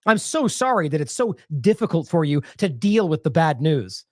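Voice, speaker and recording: A man's voice: fairly high pitch, big pitch swings, normal speed, no echo, studio quality. An American man hosting an independent news show, delivering sarcastic, indignant commentary full of rhetorical questions.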